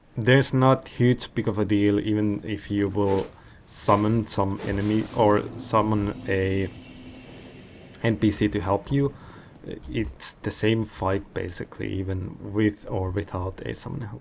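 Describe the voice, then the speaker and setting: A man's fairly low voice with a Finnish accent and ordinary pitch variation. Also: fairly slow pace. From Finland. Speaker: gaming video creator. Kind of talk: let's play commentary. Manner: runs on without pauses for breath; hesitant, many fillers and restarts.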